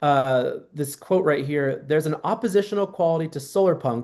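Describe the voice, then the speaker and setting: A man's fairly high-pitched voice with a dark, mellow tone and lively intonation. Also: quiet background. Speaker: speaker on solarpunk literature. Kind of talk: presentation. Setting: online meeting. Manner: fast.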